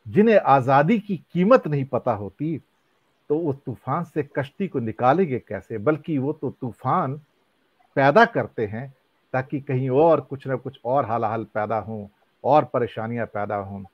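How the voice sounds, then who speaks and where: Guy hosting a debate panel, measured, quotes old song lines, dry muffled sound. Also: mid-range voice, no echo. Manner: measured, recites song lines to make his point. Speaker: debate host.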